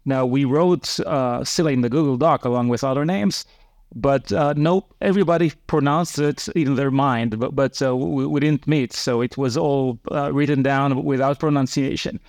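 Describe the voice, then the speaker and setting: A man talks through an interview in a halting, filler-heavy way, often restarting his sentences. His voice sits at a middling pitch. The sound is dry, with no room echo. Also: creaky, darkish tone. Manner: hesitant, many fillers and restarts. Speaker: guest, company co-founder and CEO. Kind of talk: casual interview conversation.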